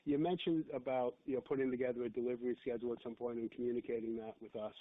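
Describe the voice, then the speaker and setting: A man's voice: mid-range voice, level tone, rapid-fire. A man speaking as a financial analyst, putting questions to management on an earnings call. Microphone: phone. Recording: tinny phone line.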